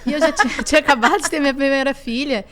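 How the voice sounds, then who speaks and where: Woman, doctor guest, rapid speech, candid, self-deprecating, tag questions. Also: sits high, fairly bright tone. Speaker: pediatric doctor and author, podcast guest. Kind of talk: candid conversational interview answers. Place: glass-walled studio with a live audience.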